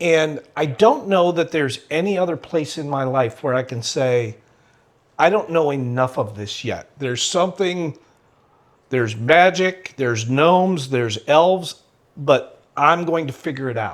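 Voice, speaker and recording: The speaker has a plain, everyday voice, lively intonation and a fairly slow pace. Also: man, fairly high pitch for a man. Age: 60s. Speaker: model aircraft builder. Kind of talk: casual chat.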